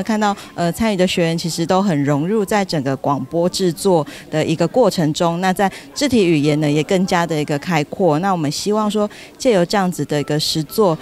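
A woman's voice: lowish voice, darkish tone. A middle-aged woman with a Taiwanese Mandarin accent giving a semi-formal interview into a handheld microphone. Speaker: library official being interviewed. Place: indoor event hall. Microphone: handheld reporter microphone.

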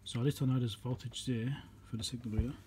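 A man's voice: medium pitch, fairly even intonation, fast talker, mellow, a little hiss or hum. A man giving casual commentary as he repairs electronics, thinking aloud as he works at a workbench. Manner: muttering, thinking aloud while working.

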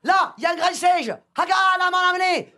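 A woman's voice: extremely high pitch, brisk, sharp tone, voice pushed up. A woman voicing a bossy male tribal chief who belts out chanted calls in mock gibberish. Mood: bossy shouting.

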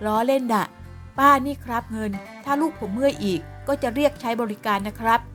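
Woman voicing a doting middle-aged father, slow, gentle, storybook. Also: on the high side, faint music behind, lightly acted. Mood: teasing.

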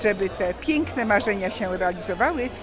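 A middle-aged woman official giving an earnest, measured statement into a TV mic. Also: medium pitch, animated. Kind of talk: formal statement. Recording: crowd noise behind.

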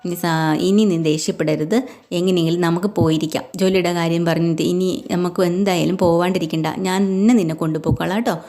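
A woman voicing a young husband who coaxes and calms his wife, in a retold family story. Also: fairly low pitch, fairly quick, lightly acted. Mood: soothing. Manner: coaxing, calming. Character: young husband, soothing and placating.

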